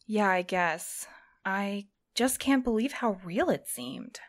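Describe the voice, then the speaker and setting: A woman's voice: mid-range voice, animated, slow. A woman playing an anxious, determined, exhausted courier in an audio drama, earnest and strained. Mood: troubled, disbelieving. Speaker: actor in a fiction podcast. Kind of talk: naturalistic audio drama acting.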